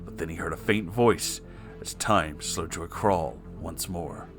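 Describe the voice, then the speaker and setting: A man's voice: deep voice, measured pace, music in the background. Theatrical man reading a comic story. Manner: theatrical, mock-serious. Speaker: story reader. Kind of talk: comedic dramatic reading of fan fiction.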